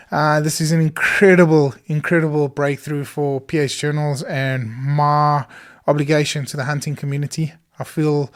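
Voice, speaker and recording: A man talks through a solo podcast episode in a small studio. His voice is hoarse and a little high for a man. He sounds earnest and keen, with plenty of fillers between his thoughts. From South Africa. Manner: earnest and enthusiastic, many fillers. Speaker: podcast host.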